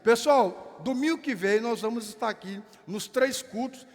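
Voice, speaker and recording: A man from southern Brazil with a gaúcho accent, a pastor leading prayer and giving notices in church. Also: very high-pitched. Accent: gaúcho Brazilian Portuguese. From Rio Grande do Sul, Brazil. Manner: fervent, drawn-out prayer lines, playful banter. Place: church sanctuary with worship music. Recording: reverberant hall with music behind.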